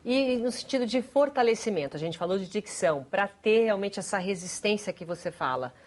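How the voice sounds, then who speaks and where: Woman TV host, very animated intonation, chatty questioning style. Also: mid-range voice, fairly quick. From Brazil. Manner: chatty, asks questions with playful asides. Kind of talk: TV interview.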